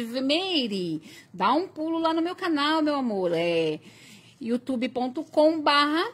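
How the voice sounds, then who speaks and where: A woman's voice: high-pitched, fairly bright tone. A Brazilian woman teaching crochet on a live stream, chatting and reading viewer comments aloud. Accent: Brazilian Portuguese.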